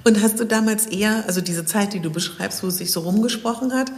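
Woman host, gravelly edge, attentive with long questions, roomy echo with long reverb. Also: medium pitch, fast talker. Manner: attentive, many short backchannels, long winding questions. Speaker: coach, interview host. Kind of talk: conversational interview.

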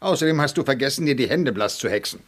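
A man's voice: mid-range voice, animated, fast talker, natural voice. A man playing a fond, teasing dad. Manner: fond, knowing. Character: good-natured middle-aged father, teasing. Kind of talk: radio play acting.

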